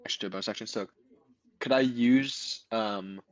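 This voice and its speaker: Young guy player, lowish voice, dry close sound, um-ing thru his turn. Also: normal speed, dry recording, rough recording. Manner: hesitant, thinks aloud about rules. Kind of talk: casual tabletop play.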